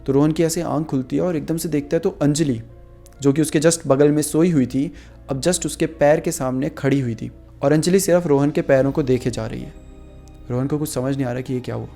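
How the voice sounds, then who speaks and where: A young male storyteller recounting a haunting in a relaxed, conversational way. His voice is gravelly and dark, and faint music plays behind him. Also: on the high side, a little fast. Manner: conversational, asides to the listener, mixing English words. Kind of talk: horror story narration.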